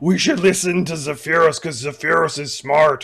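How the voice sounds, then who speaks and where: This man puts on a cartoonish character voice. It sits fairly high in pitch. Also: moderate pace. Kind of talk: puppet-like voice.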